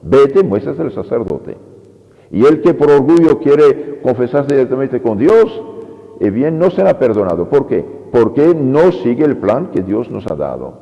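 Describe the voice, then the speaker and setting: A man preaching a sermon as a priest, with lively delivery that acts out quoted pleas. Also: mid-range voice, a little slow. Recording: lo-fi recording with long church reverb.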